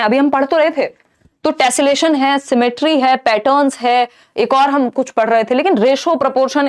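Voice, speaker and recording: Young woman lecturing exam prep, higher pitch, quizzes the class and answers herself. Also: darkish tone. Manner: explains in Hindi with English terms, asks and answers own questions. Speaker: teacher.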